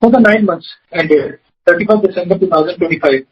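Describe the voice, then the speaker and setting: An Indian man reads out company results in a formal, scripted style. His voice is high for a man and rough-edged with huskiness. It comes through a dull, lo-fi conference call line. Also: brisk. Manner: formal, reading out figures. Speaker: company executive presenting financial results. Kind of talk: scripted formal earnings presentation.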